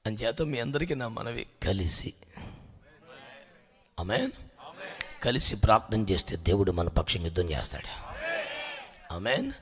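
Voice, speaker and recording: A man preaching a sermon, animated, asking rhetorical questions and dropping English words into his talk. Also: fairly low pitch, a little slow, pauses often. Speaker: pastor.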